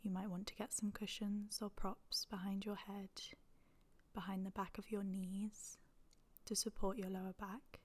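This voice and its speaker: A yoga nidra meditation guide, a woman with a mid-range voice, leads a guided relaxation in a soft, breathy, near-whispered tone. Her delivery is flat, with intonation that barely moves. Gentle and soothing, she leaves long pauses between short phrases.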